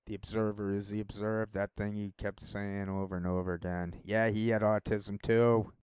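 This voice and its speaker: A man's voice: fairly low pitch, flat delivery, moderate pace, darkish tone, clean tone, dry recording. A man rambling through a casual solo monologue as a vlogger, wandering from thought to thought. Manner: rambling, meandering talk.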